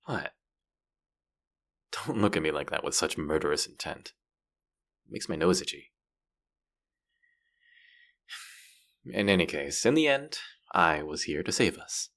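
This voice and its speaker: A bratty young rogue from a fantasy roleplay , acted by a man, with a very deep voice and a gravelly, creaky edge. He is a sardonic, swearing street rat who needles the listener with cocky banter. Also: lively intonation, moderate pace, long pauses, fairly bright tone, heavily acted. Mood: mocking, teasing. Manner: teasing, foul-mouthed, sardonic banter. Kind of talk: character roleplay audio drama spoken to the listener.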